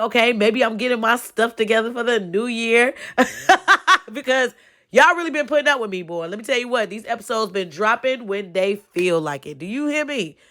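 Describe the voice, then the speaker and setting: A woman's voice: a little high, sharp tone. Woman, 30s, solo podcast host, congested and folksy. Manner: chatty, folksy, addresses listeners as y'all, frequent "okay?". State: stuffy nose. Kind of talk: casual solo podcast talk.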